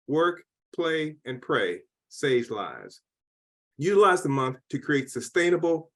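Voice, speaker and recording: A man delivering a scripted commentary segment in a measured, emphatic way. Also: fairly high pitch. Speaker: podcast segment host.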